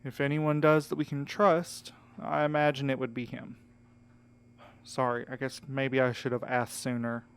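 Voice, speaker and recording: Earnest male courier played by an actor, resonant and clear, casual and coaxing, for a fiction podcast. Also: medium pitch, little pitch movement, moderate pace, lightly acted. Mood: earnest, subdued. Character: easygoing, encouraging male courier, earnest and folksy. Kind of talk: scripted audio drama acting.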